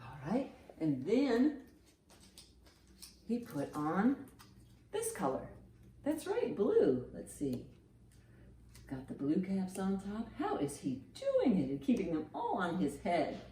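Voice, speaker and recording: Animated woman reading a children's storytime. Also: medium pitch, slow pace, long pauses. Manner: expressive, addresses young listeners with questions. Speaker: children's librarian and storytime host.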